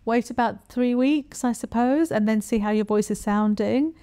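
A middle-aged woman giving an explanatory talk to camera as a specialist, in a measured, plain-spoken and instructive manner. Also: fairly high pitch, mellow, clean tone. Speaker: voice specialist presenter. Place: small quiet furnished room, indoors. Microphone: lapel mic.

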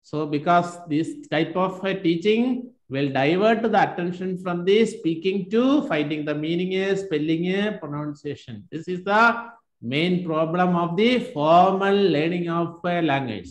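A man's voice: sits high, measured pace, hardly any pauses, roomy sound. A man, teaching a live online spoken class and cheering his students on with repeated questions like "am I right?".

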